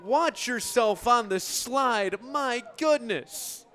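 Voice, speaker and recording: This young adult American radio play-by-play caller has a very high-pitched voice and draws out his words, with a fairly bright, clear and resonant tone. He calls live sports on a game broadcast with crowd and game noise in the background.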